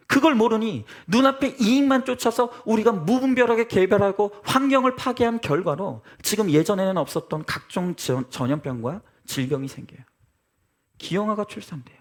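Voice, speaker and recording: A male pastor delivers a Sunday sermon in church, leaning on rhetorical questions and direct address to the congregation. His voice sits high for a man and swings widely in pitch as he preaches with earnest conviction. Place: church service.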